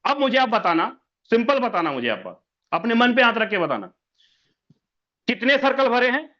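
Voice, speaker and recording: A man's voice: extremely high pitch, sing-song, normal speed, dull audio. A man giving a sales presentation over an online meeting, repeating each figure and firing rhetorical questions at listeners he keeps calling sir. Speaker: business presenter.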